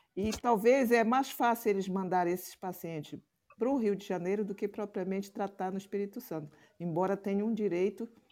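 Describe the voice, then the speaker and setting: Her tone is dark and mellow. The woman keeps a moderate pace with ordinary pitch variation. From Santarém, Pará, northern Brazil. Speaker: retired social worker. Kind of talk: casual chat.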